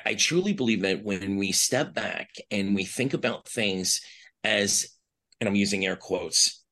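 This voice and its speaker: A man's voice: sits low, a bit bright. A man from New York, a guest on an interview podcast, talking in an earnest, reflective way with restarts. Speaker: guest, blind advocate.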